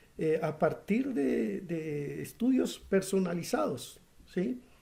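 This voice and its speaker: Very slowly, a man speaks with a fairly high pitch, vocal fry and a dark, mellow tone. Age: 60s. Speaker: religious teacher. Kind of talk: personal testimony. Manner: halting, many fillers.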